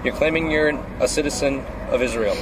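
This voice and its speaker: A man's voice: medium pitch, fairly quick. A man working as a border agent, firmly repeating his demands at a roadside checkpoint. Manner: firm, repetitive demands. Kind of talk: checkpoint questioning. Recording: noisy roadside recording with traffic.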